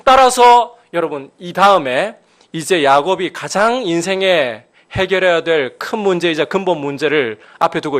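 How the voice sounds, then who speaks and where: A man's voice: on the high side, fairly bright tone. A male pastor preaching a sermon, explaining scripture and building to emphatic, raised peaks.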